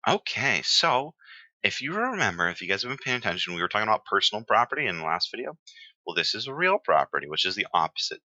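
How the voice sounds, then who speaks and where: A man teaching real estate exam terms in a relaxed, chatty lecture, with many fillers and pauses. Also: lowish voice, no room sound, lo-fi sound.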